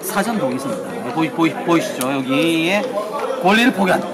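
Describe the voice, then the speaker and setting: A man's voice: on the high side, animated, fairly quick, over a noisy crowd. A man in his forties presenting a vlog to camera in an exclamatory, showman-like way. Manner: exclamatory, theatrical showman delivery. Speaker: video show host. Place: on location, outdoors and in a large indoor hall. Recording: loud music over the voice. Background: loud music.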